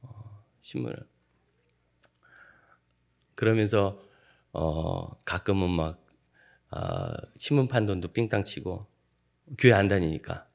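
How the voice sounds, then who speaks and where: A man in his fifties, a guest pastor preaching at a dawn church service, telling joking stories from his childhood in a lively way. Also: low-pitched, takes it slowly, creaky, long pauses. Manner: lively, joking anecdotal storytelling. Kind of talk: sermon with humorous storytelling.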